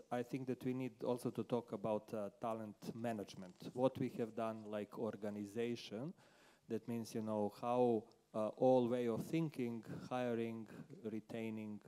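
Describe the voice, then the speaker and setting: A man with a Serbian accent, speaking as a panelist and company manager, halting and full of fillers. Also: fairly low pitch, warm tone. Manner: halting, many fillers, non-native phrasing. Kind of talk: panel discussion answers.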